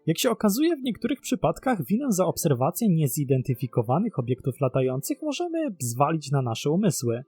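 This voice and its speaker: A man's voice: a little high, wildly swooping pitch, brisk, hardly any pauses, darkish tone, breathy edge, soft background music. A man narrating a scripted mystery documentary in a dramatic storytelling manner. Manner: dramatic, posing rhetorical questions. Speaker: narrator and host of a mystery series.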